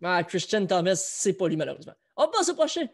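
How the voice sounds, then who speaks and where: A man's voice: sits high, sing-song, a little fast. A man with a Quebec French accent hosts a casual sports chat show. He talks loosely and keeps things moving as he runs a trivia quiz for viewers. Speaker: host.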